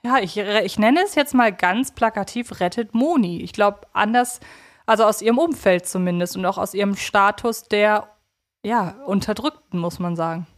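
A woman's voice: mid-range voice, normal speed. A woman hosting a podcast, giving conversational commentary. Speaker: podcast host.

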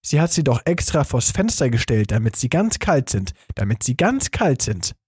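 A man's voice: medium pitch, very animated, a little mellow, slightly rough, dry recording, studio quality. A man reading a feverish, dazed sick youth. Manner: slow, dazed, repeating himself. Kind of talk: audiobook reading.

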